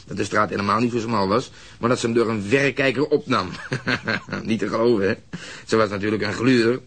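An actor playing a gruff, irritable, dismissive police detective in a radio drama, blunt and defensive. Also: male voice, lowish voice, a little fast, a bit bright. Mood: mocking, amused. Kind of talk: naturalistic Dutch radio drama acting.

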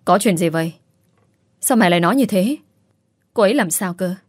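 A woman's voice: fairly low pitch, lively intonation, fairly quick, dry recording, clean studio sound. A woman voicing an earnest young husband who speaks urgently and firmly.

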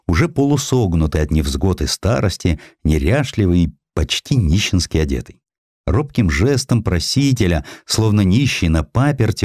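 A man reading a historical sketch as an audiobook narrator, with a theatrical, expressive delivery. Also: low-pitched, dry recording, clean studio sound.

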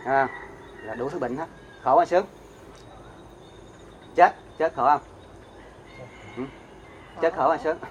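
Speaking slowly with long pauses, a monk delivers a dharma talk, asking his audience questions, answering them, working through terms step by step and reciting verse. His voice is slightly high. The recording is muffled, with a bit of background noise.

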